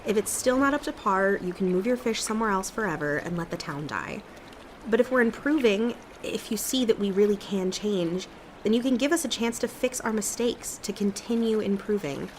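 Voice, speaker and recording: A woman's voice: mid-range voice, animated, normal speed, slight background noise, natural voice. Woman playing earnest, determined young woman, faint background ambience. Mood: earnest, pleading. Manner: earnest, persuasive. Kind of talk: audio drama acting.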